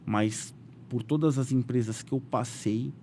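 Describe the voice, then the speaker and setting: The man's delivery is unhurried, and there's a bit of background noise. A businessman with a Brazilian Portuguese accent, he animatedly shares his story during a casual interview, acting out quotes with a raised pitch and often saying "né?".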